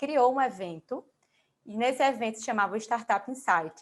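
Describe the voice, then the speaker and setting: A woman speaks in a Paraíba accent at a moderate pace with ordinary pitch variation. The background is quiet. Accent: Northeastern Brazilian (Paraíba). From Brazil, Paraíba (João Pessoa). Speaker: lawyer and startup-law firm co-founder. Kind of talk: panel discussion.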